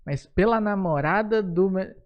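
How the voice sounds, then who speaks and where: A man's voice: high voice, a little slow, highs cut off. Upbeat Brazilian man hosting a podcast. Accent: Brazilian Portuguese. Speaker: podcast host. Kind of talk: casual podcast interview.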